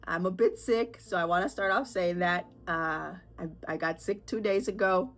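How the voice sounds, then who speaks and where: A woman's voice: fairly low pitch, moderate pace, fairly bright tone. A sick, stuffed-up woman hosting her own podcast, talking candidly and rambling with fillers. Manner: candid, chatty, rambling with fillers and nervous laughs. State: congested, sick with a sore throat. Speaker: podcast host. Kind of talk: casual solo podcast talk.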